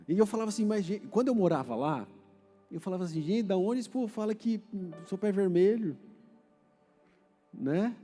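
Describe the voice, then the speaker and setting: A pastor from Paraná, Brazil, speaking with a Paraná Brazilian Portuguese accent, preaches in a large church hall with faint music behind him. His voice is high and dark in tone, at a moderate pace with long pauses, and he talks conversationally, asking the congregation questions.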